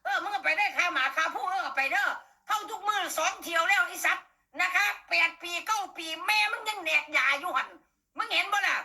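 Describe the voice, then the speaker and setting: A woman's voice: very high voice, fairly quick, bright, forceful tone. An older woman with an Isan accent, hosting a talk show and ranting bluntly and crudely about politics to her viewers, swearing often.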